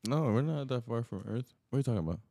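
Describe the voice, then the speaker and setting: A man's voice: medium pitch, lively intonation, fast talker, gravelly, dark tone, dry recording, studio quality. A man chatting casually in Spanglish on a podcast, switching between English and Spanish.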